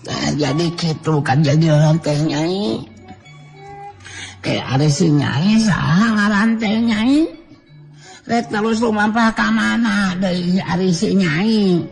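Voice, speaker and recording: A man's voice: sits high, slow pace, gravelly, over music, pitched above the performer's own voice, heavily acted. A man voicing an elderly village woman who keeps a food stall and fusses over her guest in a storybook tale. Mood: chatty. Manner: fussing, explaining, doting.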